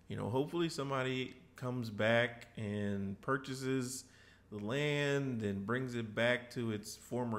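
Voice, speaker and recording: A man hosting a casual walking-tour video outdoors, chatting in a rambling, self-correcting way as he walks through dry woods. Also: medium pitch. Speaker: travel vlogger host.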